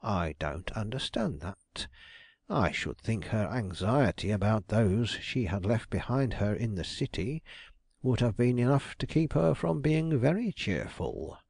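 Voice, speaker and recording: A shrewd detective draws out his questions slowly and suavely, as a man reads him, every word deliberate and courteous. The voice sits in a middle range and is recorded close and dry, like a storybook character. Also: lowish voice, big pitch swings, creaky, a little mellow, husky, dry recording, heavily acted.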